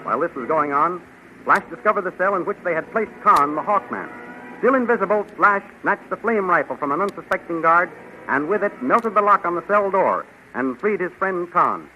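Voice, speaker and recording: Crisp, bright 1930s radio announcer man. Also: sits high, lively intonation, moderate pace, a little hiss or hum. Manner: crisp, emphatic, declamatory. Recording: muffled old 1930s radio recording.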